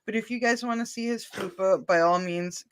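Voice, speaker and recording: A woman's voice: mid-range voice, moderate pace. Chatty, self-mocking woman in her thirties. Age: 30s. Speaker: co-host of a reaction stream. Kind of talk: casual chat.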